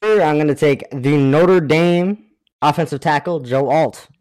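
A man's voice: a little high, measured pace, a little mellow. A man co-hosting remotely, giving casual sports analysis in a conversational way. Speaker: podcast co-host. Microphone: remote connection.

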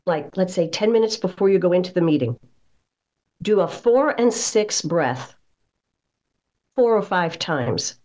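A woman's voice: fairly low pitch, a little mellow. A woman speaking as a voice coach in an interview, explaining in an instructive way with emphasis on key phrases. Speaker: voice coach, guest. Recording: slightly dull, muffled audio.

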